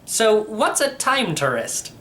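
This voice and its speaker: A man's voice: sits high, big pitch swings, takes it slowly, fairly bright tone, exaggerated voice. Man playing a curious, questioning young boy. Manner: questioning, plain-spoken. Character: curious young boy, skeptical but playful nephew. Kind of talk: acted storybook reading.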